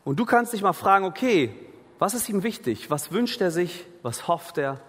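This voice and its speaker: A man's voice: high voice, big pitch swings, moderate pace, fairly bright tone, slightly rough, in a large hall. A man preaching a sermon in an earnest, conversational way, asking the listeners questions. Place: free church hall.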